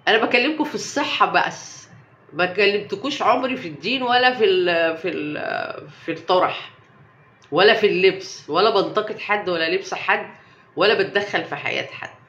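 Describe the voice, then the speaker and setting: A woman's voice: mid-range voice, lively intonation, a little fast, fairly bright tone, echoey room, lo-fi sound. A young Egyptian woman vlogging live about health, speaking emphatically and defiantly and piling up rhetorical questions. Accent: Egyptian Arabic. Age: young adult. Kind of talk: casual live-stream talk.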